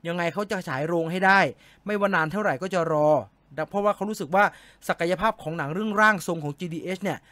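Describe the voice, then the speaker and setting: High, bright-voiced man chatting on a stream. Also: fast talker, hardly any pauses, no echo. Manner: chatty, joking, reads comments aloud and answers them. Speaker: live stream host reading viewer comments. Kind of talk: casual live-stream chat.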